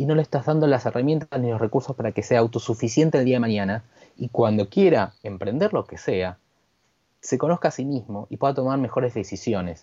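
A man talks in a Rioplatense accent at a medium pitch. His pitch variation is ordinary. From Argentina. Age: 40s. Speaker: school counselor and parenting workshop leader. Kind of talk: interview conversation. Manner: halting, many repetitions.

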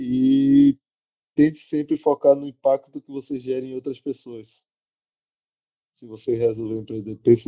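Through a dry, close sound with no echo, a man with a dark, mellow tone and medium pitch speaks at a moderate pace with fairly even intonation and big swings in loudness. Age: 20s. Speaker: startup founder. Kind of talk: interview.

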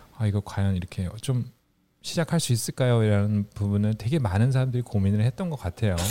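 Talking at a very fast pace, a man with a fairly low pitch and a dark, mellow tone uses ordinary pitch variation on a very clean recording with a silent background and a dry, close sound with no echo. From South Korea. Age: middle-aged. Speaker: video editor and designer, co-host. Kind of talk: live stream casual chat.

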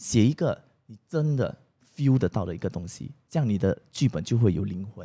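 Over a silent background in a very clean, dry, close recording with no echo, a man speaks fairly quickly in a dark, mellow, somewhat breathy voice with very wide pitch swings. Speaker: actor and TV host. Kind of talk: casual interview chat.

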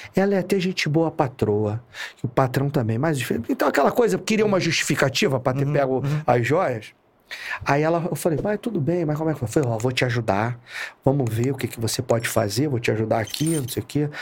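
Somewhat breathy and fairly high, a man's voice moves at a fairly quick pace. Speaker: police inspector. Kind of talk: casual chat. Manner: talkative; animated.

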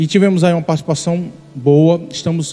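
The man's voice is high-pitched, with a dark, mellow tone. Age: 30s. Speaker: pastor. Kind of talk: bible study teaching.

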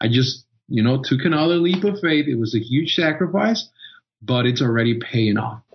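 A somewhat breathy man talks at a moderate pace. His pitch varies in an ordinary way. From Costa Rica. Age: 30s. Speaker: blues guitarist. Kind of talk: interview.

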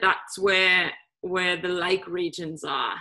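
A woman speaks at a fairly slow pace with a German accent. Her tone is bright and sharp, and the recording is very clean with a silent background. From Austria. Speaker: tourism marketing manager. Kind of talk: presentation. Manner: hesitant, many fillers.

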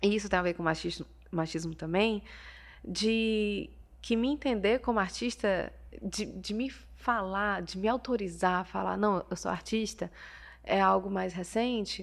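A woman with a medium-pitched voice speaks at a fairly slow pace in an ordinary speaking voice with ordinary pitch variation, on a very clean recording with a silent background. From Fortaleza, Ceará, Brazil. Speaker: visual artist. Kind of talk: interview.

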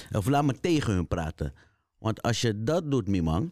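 Recorded very cleanly with a silent background and a dry, close sound with no echo, a man speaks at a fairly quick pace in a dark, mellow tone. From Randstad, Netherlands. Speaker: podcast host. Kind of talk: casual chat. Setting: studio.

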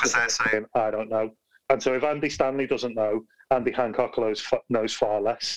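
In a Liverpool accent, a man talks at a moderate pace and medium pitch with monotone, flat intonation. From Liverpool, England. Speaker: youth pastor. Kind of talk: panel discussion.

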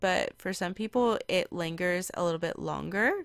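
In a very clean recording with a silent background, a woman speaks at a fairly slow pace, her sound dry and close with no echo. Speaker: podcast host. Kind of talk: casual solo podcast chat, shifting to true-crime horror narration of clown stories. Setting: solo podcast recording. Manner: giggly, chatty, self-interrupting, with frequent laughs; hushed, tense, dramatic reading of first-person clown victim accounts.

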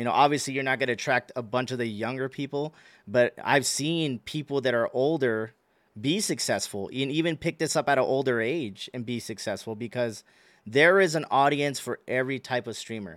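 Recorded very cleanly against a silent background, with a dry, close sound and no echo, a man with a plain, everyday voice speaks at a fairly quick pace with a medium pitch and ordinary pitch variation. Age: 30s. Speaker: podcast host, streamer. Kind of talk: casual chat.

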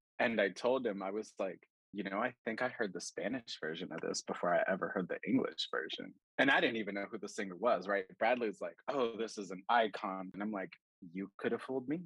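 An ordinary speaking voice from a man, medium in pitch, at a fairly quick pace with ordinary pitch variation. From North Carolina, Puerto Rican household. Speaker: community organizer. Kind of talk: casual chat.

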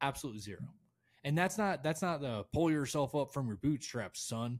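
In a very clean recording with a silent background, a man with a normal speaking voice and an American accent talks at a moderate pace, his fairly high pitch carrying lively intonation. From upstate New York (Baldwinsville). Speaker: podcast host, police officer. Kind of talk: casual chat. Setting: studio.

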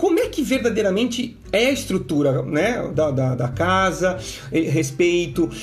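With music in the background and audible room echo, a man with a high pitch talks at a fairly slow pace in an animated tone, with very wide pitch swings and very even loudness. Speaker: relationship coach. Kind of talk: live stream talk.

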